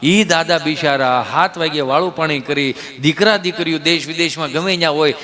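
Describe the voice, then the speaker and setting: A male stand-up comedian, telling folk jokes in a lively, rustic storytelling manner while acting out characters. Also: fairly high pitch, a little fast.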